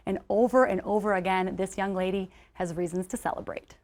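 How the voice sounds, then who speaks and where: A woman's voice: mid-range voice, brisk, background noise. A woman with an American accent presenting a scripted television news report as a reporter.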